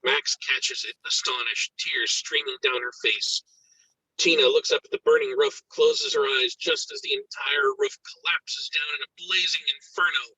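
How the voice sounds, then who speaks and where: A man with a breathy voice reading screenplay stage directions as an intense, suspenseful narrator. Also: sits high, huge pitch swings, moderate pace, pushed and bright, dry recording, poor audio. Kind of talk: dramatic scripted narration of screenplay action.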